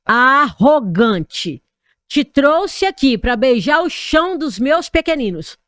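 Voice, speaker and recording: Solemn, booming divine voice, stern and slow, archaic phrasing, done by a woman. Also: big pitch swings, a bit bright, no room sound, studio quality, full character voice. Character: commanding divine male voice, stern, supreme authority.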